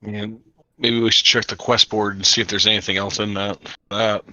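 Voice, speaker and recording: A stuffed-up man player making dry, low-key remarks in an online tabletop game, heard through a dull home microphone. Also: little pitch movement, normal speed, bright, forceful tone, dry recording. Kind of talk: casual chat during an online tabletop game.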